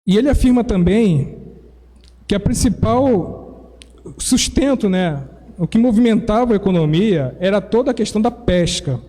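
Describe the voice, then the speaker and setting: High-voiced Brazilian man preaching in a church. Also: animated, normal speed, mellow. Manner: explanatory, teacherly, with self-corrections. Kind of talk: sermon. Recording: long reverb of a church hall.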